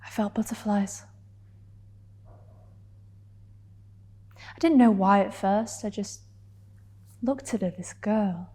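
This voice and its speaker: A woman performing a dramatic stage monologue as a hurt, defiant gay woman confronting her partner, deliberately and with heavy pauses. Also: medium pitch, mellow, slightly rough. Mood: hushed, confessional.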